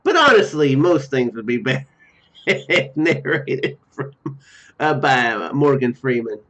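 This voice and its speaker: A man's voice: mid-range voice, big pitch swings, measured pace, fairly bright tone. A young man doing let's play commentary and reading game text aloud, hesitant and rambling, with trailing asides. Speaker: video game streamer. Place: indoor room at home. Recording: dull, lo-fi microphone sound. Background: game music.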